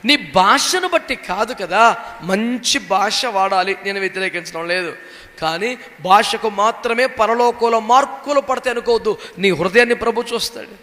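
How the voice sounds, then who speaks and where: A man's voice: high-pitched, moderate pace, sharp tone. A man preaching a sermon as a pastor, dramatically acting out the voices he quotes. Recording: long hall reverb.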